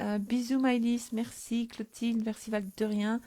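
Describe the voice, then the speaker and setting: A woman speaks in a fairly high voice with a dark, mellow tone and ordinary pitch variation. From Albanian family, partly raised in the United States. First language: Albanian (speaking French). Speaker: life coach. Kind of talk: live stream chat with viewers. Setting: Instagram live. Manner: hesitant, many fillers.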